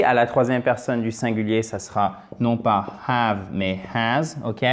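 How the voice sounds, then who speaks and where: A man explains English grammar mistakes in a video lesson. His delivery is encouraging and repetitive, with frequent hesitations. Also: mid-range voice. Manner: encouraging, repeats key points, many fillers. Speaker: English teacher.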